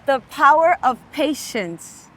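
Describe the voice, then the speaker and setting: Higher-voiced woman from Liberia. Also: very animated, takes it slowly, pushed and bright. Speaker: guest, language teacher. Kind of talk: casual chat while walking. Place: outdoors in a city street.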